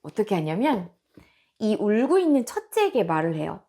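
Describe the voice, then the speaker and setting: A woman's voice: medium pitch, moderate pace. A woman hosting a self-improvement channel, talking casually and expressively to her viewers. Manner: animated and expressive, with acted-out quotes.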